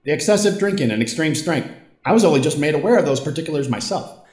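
An actor playing a measured, suspicious and hesitant corporate boss in an audio drama. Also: male voice, on the high side, animated, darkish tone, natural voice. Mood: probing. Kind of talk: first-person narration and dramatic dialogue. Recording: roomy echo with music behind.

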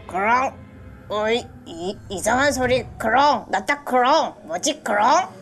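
Lady as little cartoon baby dino, high and excitable, keeps chirping its name, faint music. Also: slow pace. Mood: curious, excited. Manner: keeps chirping its own name after phrases. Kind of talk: children's toy-play cartoon voice.

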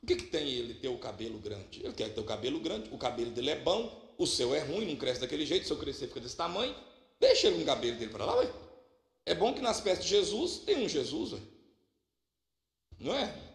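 A man preaching a lively, humorous sermon with a Minas Gerais accent, jumping from loud exclamations to quiet asides. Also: fairly high pitch, quick pace, vocal fry. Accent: Minas Gerais Portuguese. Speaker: pastor. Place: church hall. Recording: echoey church hall.

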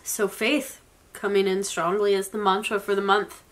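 Young woman in her twenties, tarot reader, sniffly from a cold, slow and reflective delivery. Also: medium pitch, little pitch movement, a little hiss or hum. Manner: soft, slow and reflective, with occasional small laughs. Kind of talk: spoken tarot reading. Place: indoors, in front of a floral blanket.

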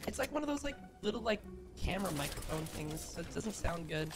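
A man's voice: sits high, very animated, brisk, over music. A man using a voice changer to play a shy, chatty teenage girl gamer; the voice sounds staticky and slightly robotic, full of fillers and restarts. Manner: rambling with many fillers and restarts. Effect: glitchy voice changer. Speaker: streamer pranking players.

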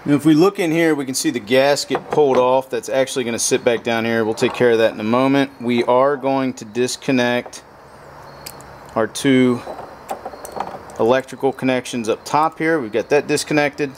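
Outdoors at the bed of a pickup truck, a motorcycle repair host does hands-on work while describing the repair one step at a time in a practical, no-frills way. His medium-pitched voice moves at normal speed, with a faint hiss or hum in the recording.

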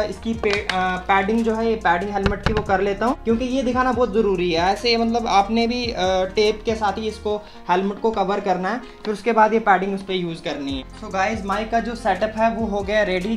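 A young man, chatting step by step as he demonstrates gear at a desk. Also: sits high. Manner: chatty, explains step by step, mixes English words. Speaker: moto vlogger. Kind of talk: casual tutorial demonstration. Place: small room at a desk.

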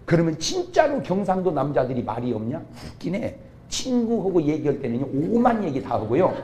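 Lively joking Korean preacher man. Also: a little high, brisk. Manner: lively, joking, swings from quiet asides to sudden shouts. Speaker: pastor. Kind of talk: comic revival sermon. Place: church revival meeting.

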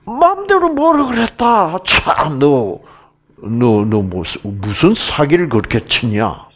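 A man's voice: a little high, sing-song, slow pace, a bit bright, heavily acted. A man voicing a blunt, scornful man who curtly dismisses a swindler. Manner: curt, dismissive retorts.

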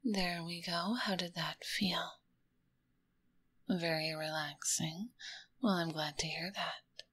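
Woman playing tomboy asmr girl, grumpy but putting on polite, slow breathy whisper right up in the mic. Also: lowish voice, fairly even intonation, full character voice. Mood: polite, soothing. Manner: slow, hushed, soothing service talk with curt asides. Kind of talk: whispered binaural ASMR roleplay. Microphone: close binaural microphone.

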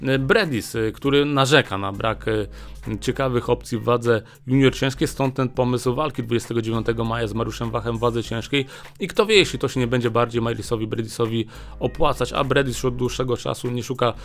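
A man in his thirties runs through the boxing news in a relaxed, chatty way. He often stops with a drawn-out filler sound while he hunts for the next word. He talks close to a desk mic in a small indoor studio. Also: mid-range voice, faint music behind. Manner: chatty, many filler "e" pauses. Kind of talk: casual news commentary. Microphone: desk mic on a small stand.

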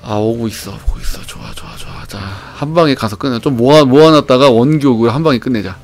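Excitable thirties male streamer, loud, laughs a lot, headset. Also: mid-range voice, fast, creaky. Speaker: game streamer. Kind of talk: casual live-stream chat. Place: small home room. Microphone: headset mic.

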